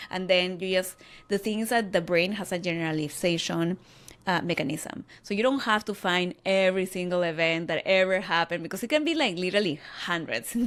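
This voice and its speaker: A woman with a Spanish accent speaks at a fairly quick pace and a medium pitch with ordinary pitch variation. The recording is very clean with a silent background. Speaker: mindset coach. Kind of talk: interview. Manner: casual, many fillers.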